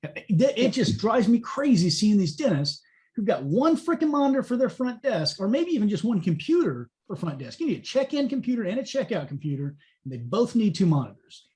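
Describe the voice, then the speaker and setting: A man with a somewhat higher pitch hosts a business podcast interview. He is blunt and opinionated, and he often stops to warn listeners in a crude, exasperated rant. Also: very animated, fairly quick, a little mellow. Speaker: podcast host.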